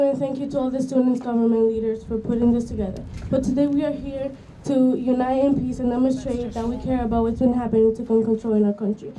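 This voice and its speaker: A woman's voice: a little high, dark tone. A young woman student giving an earnest, read rally speech with small slips. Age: young adult. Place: outdoor school campus. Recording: distant mic, faint outdoor noise.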